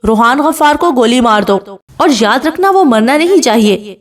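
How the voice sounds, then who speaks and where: A domineering, cruel young husband, read by a woman storyteller who barks orders and makes cold threats. The voice sits a little high and comes from slightly away from the mic. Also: lively intonation, distant mic. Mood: enraged. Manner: commanding, threatening.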